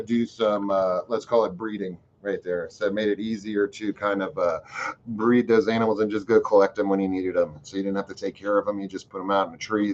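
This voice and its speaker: A man's voice: fairly low pitch, muffled recording, slight background noise. A man hosting a casual live chat, answering viewer questions in a rambling, profane way with lots of fillers. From Florida. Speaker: host.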